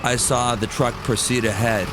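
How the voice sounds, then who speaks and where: A man telling a scripted first-person story as narrator, with deliberate, dramatic phrasing. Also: mid-range voice, fairly even intonation, background noise.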